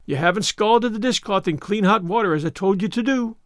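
Audiobook role: strict older woman guardian, matter-of-fact and disapproving, fairly high voice male reader, dry recording. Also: lively intonation, normal speed, no echo. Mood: immovable. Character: stern, practical, grim older spinster guardian woman. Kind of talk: audiobook character voice.

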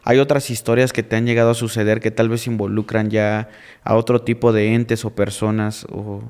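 A man's voice: on the low side, level tone, moderate pace, a little mellow, smooth. Curious male podcast host. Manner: short prompts and curious follow-up questions. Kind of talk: interviewing. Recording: roomy reverb.

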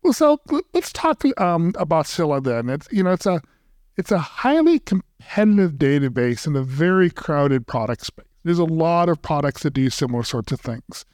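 A man's voice: a little high, sing-song, moderate pace, a little mellow, dry recording, studio quality. A man hosting an interview podcast, asking questions in a friendly, conversational way. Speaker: podcast host.

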